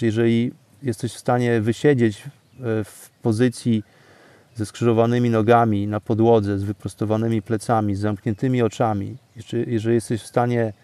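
A man leads a guided breathing meditation in a dark, relaxed voice at an average male pitch. He speaks deliberately and soothingly, leaving pauses between phrases. He is outdoors in a forest, with birdsong around him. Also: no echo. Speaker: podcast host and meditation guide. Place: outdoors, sitting in a forest among bamboo. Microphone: microphone exposed to wind.

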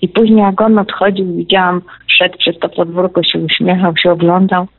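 A woman's voice: lowish voice, little pitch movement, moderate pace, no room sound. A woman calling in to tell a personal story, talkative and emphatic, often repeating herself. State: widowed, close to tears. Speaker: caller. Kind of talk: emotional personal account. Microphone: telephone. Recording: tinny phone line.

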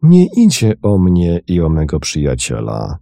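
A man voicing a cool, bold gentleman adventurer who speaks calmly and firmly in a storybook reading. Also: low voice, measured pace, vocal fry, no room sound, heavily acted. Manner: calm, firm, commanding.

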